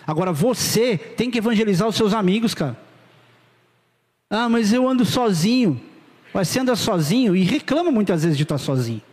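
Fast, high-voiced Brazilian pastor preaching. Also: male voice, darkish tone, long reverb tail. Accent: Brazilian Portuguese. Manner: urgent, direct preaching with casual slang. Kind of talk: sermon. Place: church hall.

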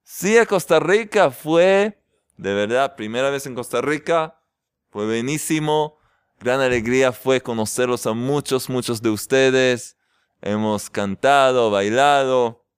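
A man in a yeshiva teaching a lively religious class in a cheerful, joking way. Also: medium pitch, a little slow, smooth, dry recording, clean studio sound. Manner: cheerful and joking, keeps exclaiming with delight. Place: yeshiva study hall.

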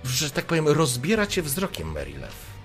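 A man's voice: a little high, huge pitch swings, normal speed, faint music behind. A man running a tabletop role-playing game as game master, narrating with lots of hesitant fillers.

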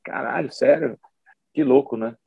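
A man with a gravelly, husky voice talks about his music career in a loose, rambling way. He uses plenty of slang and often restarts his sentences, like a relaxed musician in a casual interview. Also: medium pitch, normal speed, no room sound. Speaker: musician guest.

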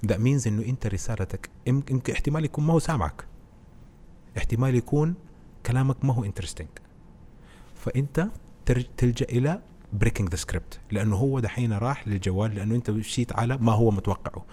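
A man, a podcast guest who explains presenting skills through animated stories in casual conversation. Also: medium pitch, quick pace, slight background noise. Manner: animated storytelling, explains with anecdotes.

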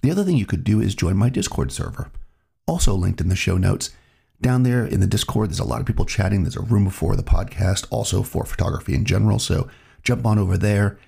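A man hosting his own podcast, talking in a relaxed, reflective way while he has a cold. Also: fairly low pitch, fairly quick, creaky, breathy edge. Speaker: podcast host. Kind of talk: solo podcast monologue.

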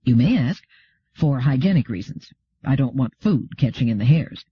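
Here is a man acting a brash male settler trader for an audiobook, cheeky and self-assured. He talks informally and briefly, in a husky voice. The sound is slightly dull. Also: mid-range voice, lively intonation, normal speed. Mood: laconic. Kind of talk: audiobook character dialogue.

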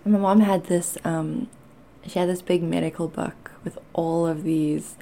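A woman speaks in a low-pitched, mellow voice with plenty of fry in it. Her accent blends South African and Canadian. She talks like a podcast host confiding in listeners, candid and conversational, often pausing to find her words. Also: steady tone. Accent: mixed South African and Canadian. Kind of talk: personal confessional talk to listeners.

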